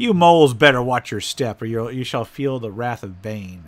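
Moderate pace in a put-on character voice. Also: man, medium pitch for a man. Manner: threatening.

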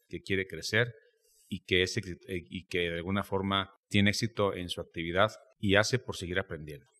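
Over a quiet background, a man with a very deep, low pitch and a bright, sharp tone talks at a moderate pace with fairly even intonation. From Mexico. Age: 50s. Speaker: meat industry business owner; podcast guest. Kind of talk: casual interview chat. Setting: industry congress. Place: studio. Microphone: studio mic.

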